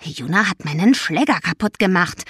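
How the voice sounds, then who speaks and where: A woman voicing an angry, self-righteous ten-year-old boy who speaks in a loud, accusing voice. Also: lowish voice, expressive, moderate pace, breathy edge, no echo, clean studio sound, heavily acted. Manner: indignant, raised voice.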